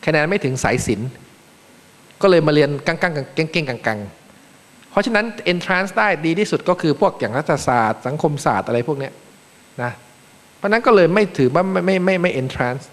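A Thai man from Thailand, a panel speaker giving a joking, animated seminar talk in a large conference room. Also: on the high side, moderate pace. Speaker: panel speaker, acting vice president. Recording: long reverb of a large hall.

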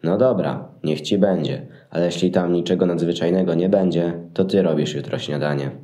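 A man's voice: sits low, fairly quick, dark tone, echoey room, natural voice. A man playing a lazy, fearful shepherd in a Christmas audio play, grumbling in a colloquial, dragging way. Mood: reluctant. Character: lazy, fearful, reluctant shepherd who wants to sleep.

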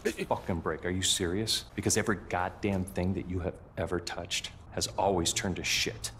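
An actor playing a bitter, menacing tough cop in a video game, contemptuous and gravelly. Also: male voice, sits low, steady tone, moderate pace, a bit bright, slight background noise. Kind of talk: video game cutscene acting.

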